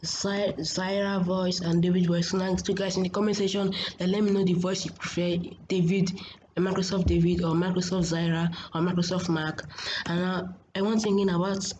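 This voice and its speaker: A woman giving a casual software tutorial in a hesitant, repetitive, halting way, as a host. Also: on the low side, little pitch movement. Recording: muffled, noisy home screen recording.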